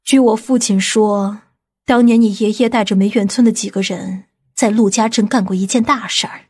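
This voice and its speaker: A woman playing a stern, commanding woman from a powerful family in an audiobook drama, speaking gravely and deliberately. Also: mid-range voice, steady tone, darkish tone, lightly acted. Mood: stern, secretive.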